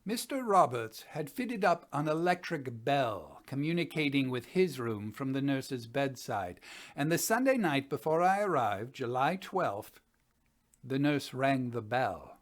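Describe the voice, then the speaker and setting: A man in his sixties playing a sober, methodical gentleman scientist, reading a formal report deliberately as a dramatic piece. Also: medium pitch, very animated. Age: 60s. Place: indoors, small study.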